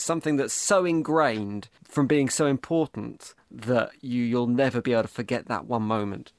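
A man's voice: mid-range voice, no echo, clean studio sound. A man interviewing a guest conversationally, putting long, wordy questions.

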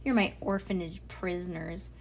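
A woman's voice: lowish voice, steady tone, normal speed, creaky. A bossy, tough young girl from a children's storybook, as a woman reader acts her out, plays at being a cruel matron. She barks commands at the other kids. There is faint background noise on the recording. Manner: loud, commanding, shrieking orders.

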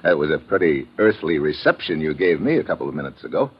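An actor playing a tough, wisecracking special agent in a radio drama, with an American accent and a blunt, sardonic way of talking. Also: male voice, a bass voice, very animated, fast talker, husky, full character voice. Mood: sardonic, impatient. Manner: hard-boiled, sardonic, blunt. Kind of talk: 1950s radio drama acting and narration. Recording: muffled old radio recording.

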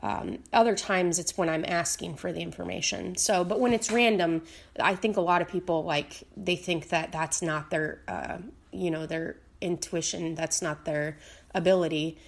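Slightly raspy woman, low-pitched, casual. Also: normal speed. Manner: relaxed, many fillers and restarts. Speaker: psychic medium teacher. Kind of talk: casual talk to camera.

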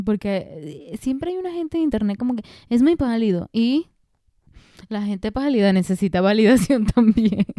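A woman's voice: mid-range voice, mellow, clear, resonant tone, no room sound, studio quality. A young woman hosting a chatty, digressive podcast, laughing often as she talks. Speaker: podcast host. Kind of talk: casual chat.

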